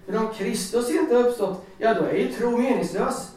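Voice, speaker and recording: A man with a high-pitched voice preaches informally to a gathering, mixing Bible verses with personal stories told in a chatty, animated way. He stands at a distance from the microphone in a strongly echoing room, with a faint hiss of noise underneath. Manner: chatty, laughing, animated storytelling. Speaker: lay preacher. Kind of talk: informal sermon with personal testimony. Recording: echoey hall, distant mic, faint noise.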